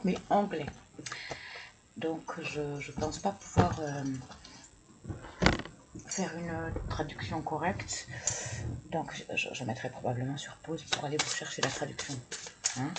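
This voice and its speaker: Slow, low-voiced woman reading cards. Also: slight background noise, rough recording. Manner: hesitant, stammering, thinking aloud. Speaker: tarot and oracle card reader. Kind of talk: casual card-reading video.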